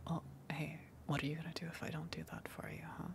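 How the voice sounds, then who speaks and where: A woman voicing a friendly eldritch monster in an ASMR roleplay, in a breathy whisper with a halting, coy, gently teasing manner. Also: sits low, flat delivery. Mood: teasing, dominant.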